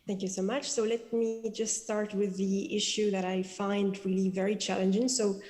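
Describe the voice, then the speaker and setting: A woman's voice: mid-range voice, flat delivery, moderate pace, a little mellow. A woman from Tunisia, a space engineer speaking earnestly on a panel with frequent ums. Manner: earnest, fillers like um and uh. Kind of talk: panel discussion remarks. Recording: long hall reverb.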